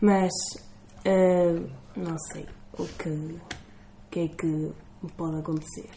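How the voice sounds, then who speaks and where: A woman speaks very slowly in a flat monotone, with long, frequent pauses and a fairly low pitch. Room echo can be heard around her. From Spain, Basque Country (Vitoria). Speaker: language school student. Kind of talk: interview. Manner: halting.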